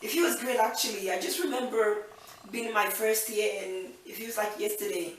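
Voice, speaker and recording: A woman's voice: medium pitch, normal speed, very echoey, distant mic, a little hiss or hum, low-quality recording. A woman in her twenties from Nigeria hosting a casual Q&A vlog, chatty and upbeat, thinking aloud with fillers. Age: 20s. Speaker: channel host.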